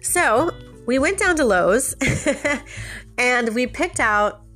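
A woman's voice: a little high, expressive, very slow, fairly bright tone, faint music behind. A woman hosting a podcast with a nasal, stuffed-up voice from a sinus infection, telling a casual story and chatting straight to listeners with frequent little laughs. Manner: chatty, laughs often, addresses listeners directly. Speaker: podcast host.

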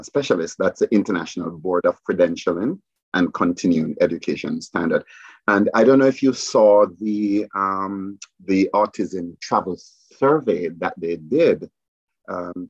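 A man from Jamaica with a Jamaican accent, a resort representative speaking as a podcast guest, pausing often with fillers. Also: deep voice, no room sound, dull audio. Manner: speaks with many fillers and pauses. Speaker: resort business development guest. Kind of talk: podcast interview.

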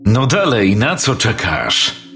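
A man's voice: medium pitch, sing-song, takes it slowly, pushed and bright, faint music behind, pitched above the performer's own voice, heavily acted. A man voicing a cruel, commanding male gang leader with a cold, threatening delivery. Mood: goading.

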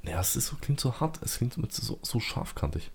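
A man's voice: medium pitch, very animated, moderate pace, breathy edge. A man co-hosting a podcast in casual chat, dry and matter-of-fact with drily joking remarks. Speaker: podcast co-host.

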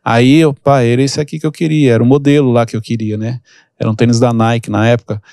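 Fast-talking gravelly man. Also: mid-range voice, flat delivery, a little mellow, dry recording, studio quality. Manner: storytelling, acts out quoted people. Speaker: podcast host and mentor. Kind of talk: casual teaching chat.

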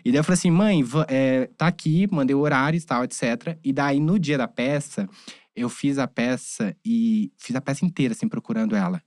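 A man's voice: medium pitch, a little fast, dry recording, clean studio sound. A young man telling a personal story in casual chat, acting out the voices of the people he quotes. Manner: animated, acts out quoted voices.

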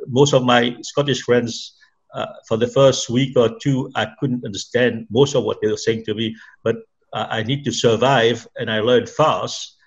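A man's voice: medium pitch, gravelly, lo-fi sound. A middle-aged or older man from Mauritius with a Mauritian accent mixed with Canadian, telling his story in conversation as an interview guest, often repeating words as he searches for phrases.

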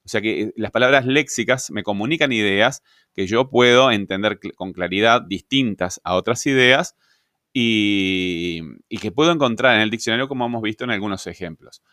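A man's voice: on the low side, normal speed, bright, forceful tone, no echo, clean studio sound. A man teaching a grammar lesson, patient, often checking with rhetorical questions. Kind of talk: grammar lesson explaining on screen.

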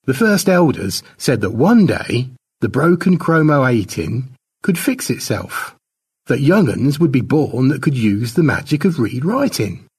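A man voicing a tribal elder who solemnly and slowly tells a sad legend to young ones, in simple words. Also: medium pitch, big pitch swings, husky, distant mic, exaggerated voice. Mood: grave, regretful.

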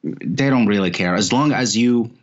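A man's voice: on the low side, normal speed, dull audio. A man whose first language is not English, a podcast guest giving earnest encouraging advice in casual chat, often tagging "right?". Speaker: podcast guest, course creator.

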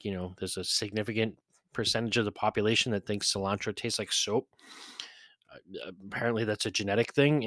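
A man's voice: medium pitch, pushed and bright, no echo, studio quality. A man hosting a podcast, giving a blunt, chatty whiskey review with profane, mocking asides. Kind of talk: casual spoken review.

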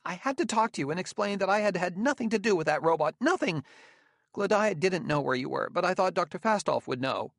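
A man's voice: lively intonation, brisk, dry recording, clean studio sound. A man voicing a nervous, aggrieved spacer in an audiobook, flustered and defensive in manner. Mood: anxious, defensive. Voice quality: squeaky when agitated. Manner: flustered, pleading, stammering, defensive. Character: nervous, aggrieved male spacer, fretful and whiny. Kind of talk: audiobook character dialogue.

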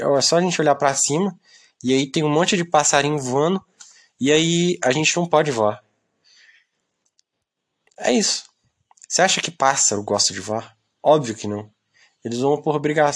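A young man, rambling through a solo podcast into a phone in a self-mocking, complaining way that often trails off into mumbles. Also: a little high. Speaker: podcast host.

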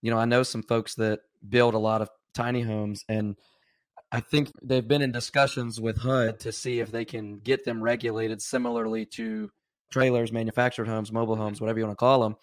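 Male guest, a little raspy from a cold, steady and even, dry close mic. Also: mid-range voice, brisk, no echo. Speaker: podcast guest. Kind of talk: casual interview.

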